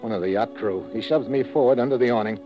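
A man's voice: mid-range voice, fast talker, natural voice. A man acting as a tough, wry American secret agent in a 1950s radio drama, with clipped hard-boiled narration. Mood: tense narrating. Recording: muffled old radio recording with music.

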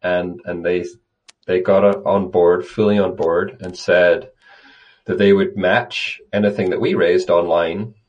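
A man's voice: sits low, fairly even intonation, unhurried, dull audio. A man being interviewed about a conservation project, answering thoughtfully and often restarting his phrases. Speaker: conservation guest.

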